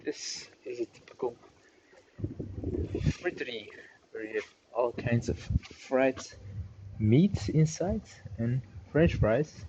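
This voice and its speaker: A man's voice: medium pitch, animated, slow, pauses often, mellow, lo-fi sound, slight background noise. A Flemish man whose first language is Dutch, chatting casually on a live-stream walking tour of city streets at night and answering viewers' questions with lots of hedging.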